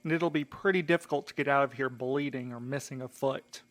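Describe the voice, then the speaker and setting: A man's voice: medium pitch, fairly quick, close to an everyday voice. An actor playing a hot-tempered, heartbroken man in an audio drama, blunt and exasperated in his delivery. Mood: threatening. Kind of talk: scripted audio drama acting.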